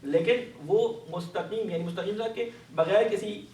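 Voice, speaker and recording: A man's voice: high-pitched, dark tone, distant mic, slight background noise. A man teaching a Quran lesson, patiently explaining and asking his listeners questions. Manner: patient, asks the class questions and answers them. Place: mosque hall. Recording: echoey hall, voice from off-mic.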